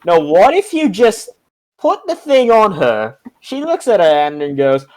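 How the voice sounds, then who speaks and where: A man playing a tabletop game, excitable and laughing while pitching wild ideas. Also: measured pace, slight background noise, poor audio. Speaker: player. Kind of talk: casual tabletop game banter.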